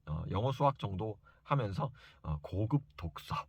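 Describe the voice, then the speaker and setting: A man's voice: fairly low pitch, animated, normal speed, vocal fry, a little mellow, breathy edge, dry recording. A man giving an informal educational talk to parents as a study coach, speaking emphatically and insistently and repeating key points for stress. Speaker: private reading and study coach advising parents.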